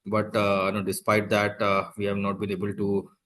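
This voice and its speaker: Halting Indian man, low voice, noisy line. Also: completely flat delivery, a bit bright. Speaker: analyst asking questions on an earnings call. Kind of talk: spoken questions on a conference call. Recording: noisy conference call line.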